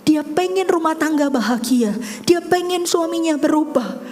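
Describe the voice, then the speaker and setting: High-voiced woman pastor preaching. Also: moderate pace. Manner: animated, exclaiming, addresses the congregation often. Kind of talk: sermon storytelling.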